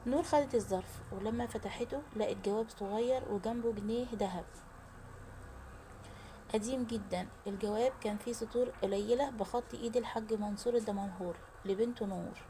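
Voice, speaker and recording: A woman with an Egyptian accent narrating a dramatic story, lively and suspenseful, addressing viewers directly. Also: on the high side, a little fast, a little hiss or hum.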